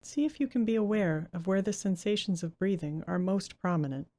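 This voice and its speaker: A woman of medium pitch leads a guided Christian meditation, speaking gently and without hurry. She leaves long pauses between each phrase of instruction.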